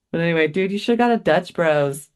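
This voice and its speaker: A woman's voice: medium pitch, darkish tone. A woman co-hosting a podcast in casual chat, laughing often and swearing freely. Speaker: podcast co-host.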